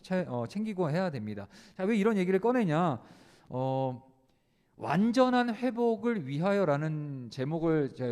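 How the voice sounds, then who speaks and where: High-voiced man preaching in a reverberant church. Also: darkish tone. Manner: conversational, asks the youth questions and answers them, many "uh" fillers. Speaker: preacher to a high school youth service. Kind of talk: sermon. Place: church sanctuary. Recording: long hall reverb.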